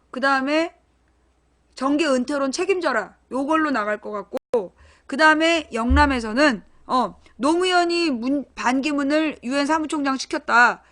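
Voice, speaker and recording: A woman's voice: high voice, pushed and bright. A woman hosting a live-stream political commentary show, speaking bluntly and informally and putting questions straight to her chat viewers. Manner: talks directly to chat viewers, asks them questions; blunt and emphatic, informal speech.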